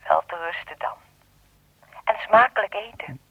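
An actress playing a lonely, solicitous old lady with a husky voice in a radio play. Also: medium pitch, huge pitch swings, unhurried, fairly bright tone, no room sound, full character voice, poor audio. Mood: tender, concerned. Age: older.

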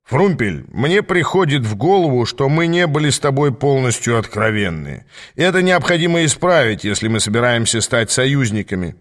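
A man voicing a gruff, wisecracking, menacing male companion who growls commands. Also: mid-range voice, sing-song, moderate pace, close to an everyday voice. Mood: sly.

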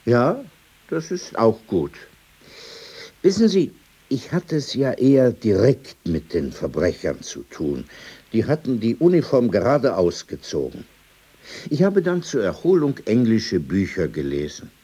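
A man's voice: medium pitch, very animated, a little slow, warm tone, slightly rough. An actor playing an old, opinionated Jewish man in a radio play, digressing indignantly with rhetorical questions and emphatic asides. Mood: indignant, sardonic. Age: older. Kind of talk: radio play, conversational monologue.

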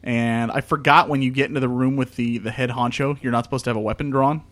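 A man's voice: mid-range voice, steady tone, fast, a bit bright, dry recording. A man with a New Jersey accent hosting a gaming podcast, bantering, teasing and laughing with his co-hosts. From US East Coast. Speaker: podcast host. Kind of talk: casual chat.

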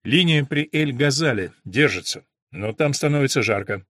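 A man voicing a stern English army major who speaks clearly, softly and seriously. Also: mid-range voice, animated, normal speed, no echo, clean studio sound. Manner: clipped, soft, serious.

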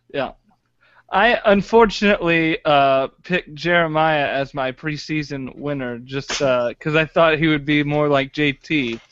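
A man's voice: fairly high pitch, slow, long pauses, fairly bright tone, clean tone, no room sound. A man co-hosting a casual podcast, who laughs often and hesitates with "uh"s. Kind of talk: casual chat. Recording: dry, slightly dull lo-fi audio.

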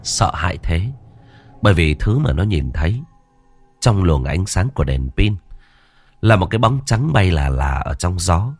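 Deep-voiced man telling a ghost story. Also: very animated, unhurried, slightly rough, soft background music. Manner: vivid, colloquial telling.

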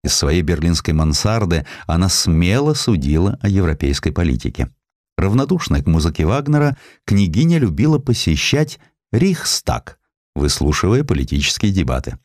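Male audiobook narrator for historical prose: low register, lively intonation, measured storytelling, close dry sound. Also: no room sound. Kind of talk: scripted literary narration of a historical sketch.

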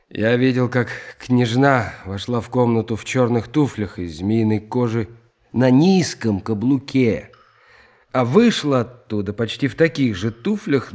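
A man's voice: medium pitch, lightly acted. Earnest young artist sleuth, played by a man, dramatic. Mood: earnest, intrigued. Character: earnest, gallant young unlucky artist playing amateur sleuth. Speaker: actor in an audio play. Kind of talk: theatrical audio drama acting.

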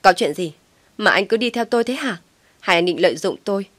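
A woman voicing a distraught young mother who cries out in shrill outbursts. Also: brisk, no room sound, close to an everyday voice.

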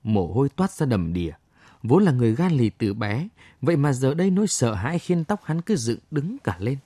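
A man narrating a ghost story aloud in a slow, dramatic storytelling manner. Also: medium pitch, sing-song, mellow, breathy edge, dry recording.

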